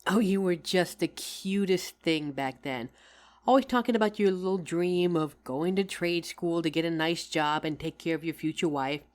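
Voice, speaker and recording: A woman's voice: fairly low pitch, moderate pace, close to an everyday voice. A woman playing a loving, tired career-woman wife in an intimate audio roleplay, speaking tenderly and teasingly as if to her husband. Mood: fond teasing.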